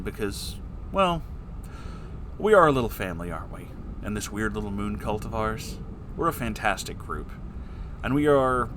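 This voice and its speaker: Speaking in a lowish voice over a noisy background, a YouTube host rambles through listener questions in a casual advice chat. He's playful, affectionate and self-deprecating, recorded off-camera at his desk.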